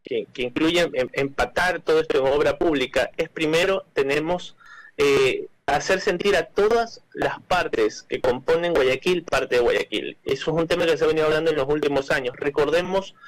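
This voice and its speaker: An Ecuadorian man speaks as an interview guest, his voice sitting a little high for a man. He explains his views at length, often hesitating with fillers, restarting phrases and repeating words. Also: normal speed, rough recording. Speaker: cultural manager, interview guest.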